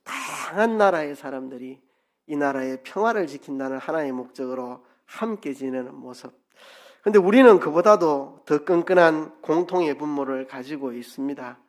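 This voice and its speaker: A middle-aged pastor preaches to his congregation in a church sanctuary. His voice sits a little high, and he delivers the sermon expressively, dropping into regional dialect now and then. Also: expressive, normal speed.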